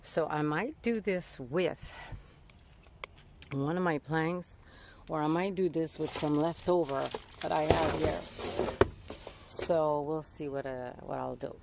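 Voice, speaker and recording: Speaking slowly in a deep voice with vocal fry and frequent pauses, this Québécois French-accented vlogger from Montreal, Canada, casually chats about her van build. She's a native French speaker who often gropes for words and rephrases, with background noise present.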